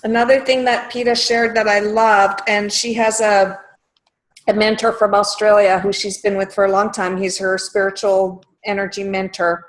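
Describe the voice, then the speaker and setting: A woman's voice: medium pitch, flat delivery, normal speed, low-quality recording. A woman coach leading a group call, encouraging and talking loosely with fillers and restarts.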